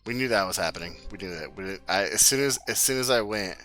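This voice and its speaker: Tired, lisping male streamer with a bright voice. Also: lowish voice, quick pace, soft background music. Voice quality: slight lisp. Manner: excitable, swears casually, talks to chat. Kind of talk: casual gameplay commentary.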